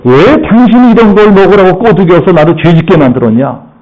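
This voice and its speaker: A man's voice: sits high, a little fast, a little mellow, muffled recording, pitched above the performer's own voice, lightly acted. A man voicing Adam as a whining man who blames his wife and God. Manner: whiny complaining.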